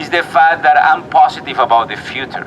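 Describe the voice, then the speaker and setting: With a Venezuelan accent, a man talks at a fairly quick pace over noticeable background noise. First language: Spanish. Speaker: rally speaker. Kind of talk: political rally speech. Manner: halting.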